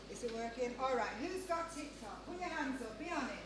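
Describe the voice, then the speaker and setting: Over noticeable background noise and audible room echo, a woman with a high pitch talks at a moderate pace with lively intonation. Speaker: documentary filmmaker and speaker. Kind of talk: interactive talk to audience. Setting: stage with audience. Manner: animated.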